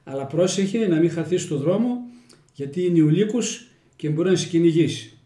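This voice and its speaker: Man doing a worried village mom giving warnings, kozani accent, mellow voice, echoey room. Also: fairly high pitch, expressive, natural voice. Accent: Kozani Greek dialect. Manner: warning, instructing. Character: worried caring village mother.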